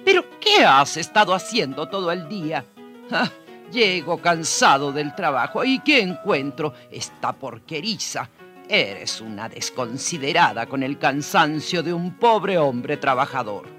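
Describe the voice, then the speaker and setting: A man's voice: on the high side, sing-song, a little slow, pushed and bright, soft background music, full character voice. A man voicing a grumpy, bossy husband who scolds his wife in a children's radio story. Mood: scolding. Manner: scolding, demanding.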